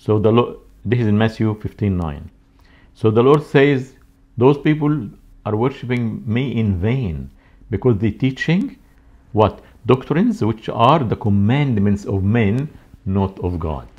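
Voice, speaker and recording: A man with an Arabic accent speaks at a medium pitch and a fairly slow pace, his intonation lively and broken by long, frequent pauses. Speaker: Bible teacher. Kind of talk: bible study talk. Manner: halting, many fillers.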